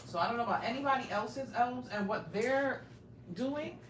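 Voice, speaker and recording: A chatty woman in her forties, raised in Brooklyn, New York, gives a casual home tour over livestream, holding her phone and talking straight to her audience. Her pitch is fairly high and her speed normal. The audio has the roomy quality of small indoor rooms, plus faint noise.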